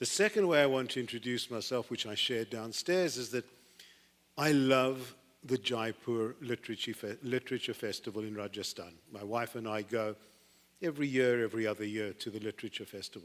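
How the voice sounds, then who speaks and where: At a fairly quick pace, the speaker uses ordinary pitch variation and a South African accent. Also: man, medium pitch for a man. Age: 70s. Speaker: guest speaker on Israel. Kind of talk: public talk. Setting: synagogue hall with audience. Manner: emotional; halting.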